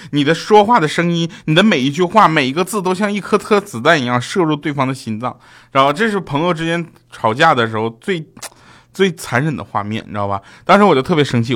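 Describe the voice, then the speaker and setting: Male comic host, casual monologue, pitch swings a lot. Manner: animated storytelling, jumps into quoted voices. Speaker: comedy podcast host.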